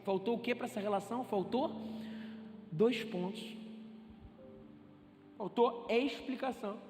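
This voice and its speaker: A Brazilian pastor preaching a sermon, animated, acting out the voices in his stories. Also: very high voice, a little slow, music in the background. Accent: Brazilian Portuguese. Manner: animated preaching, acts out dialogue in story. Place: church hall. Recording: echoey hall, faint ambience.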